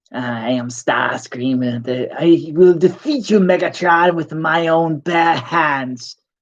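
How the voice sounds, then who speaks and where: In a put-on character voice at middle pitch, the speaker goes at a fairly slow pace with hardly any pauses. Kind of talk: theatrical. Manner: menacing, emotive.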